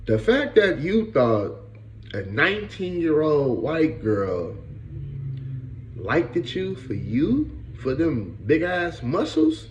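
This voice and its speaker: A man's voice: fairly high pitch, huge pitch swings, takes it slowly, roomy sound, dull audio, slight background noise. A man in his late thirties giving blunt, profane casual commentary and often repeating "bro" and "you know what I'm saying.". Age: 30s. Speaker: podcast host.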